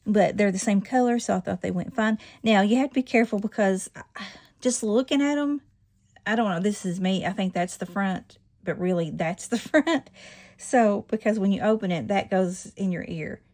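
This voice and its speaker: A middle-aged woman hosting a casual jewelry-making tutorial, chatty and quick to correct herself. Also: medium pitch, a little mellow. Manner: chatty, self-correcting, laughs at her slips. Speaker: jewelry-making channel host.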